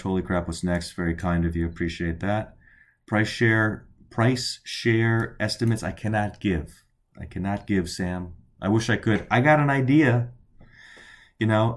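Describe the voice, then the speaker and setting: A middle-aged man with a somewhat low voice reads questions from viewers aloud and answers each one on the spot. He talks loosely and cheerfully and throws in jokes between the answers. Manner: reads out viewer questions and answers them off the cuff, jokey and upbeat. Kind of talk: casual livestream Q&A.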